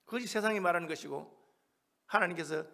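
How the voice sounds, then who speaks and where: A middle-aged male pastor, preaching a revival sermon and telling stories, swinging from loud to hushed. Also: sits high, fast talker, gravelly.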